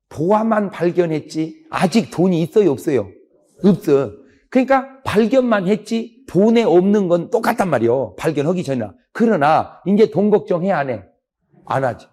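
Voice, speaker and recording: Husky pastor telling comic stories. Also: male voice, a little high, dark tone. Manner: comic storytelling, acts out dialogue. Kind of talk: sermon.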